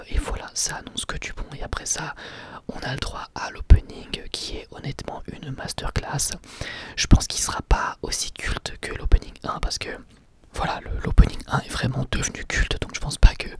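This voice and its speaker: A man's voice: mid-range voice, creaky. Whispering man reviewing an anime episode. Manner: soft whisper throughout, casual with frequent hesitations; chatty, asks viewers for their opinions.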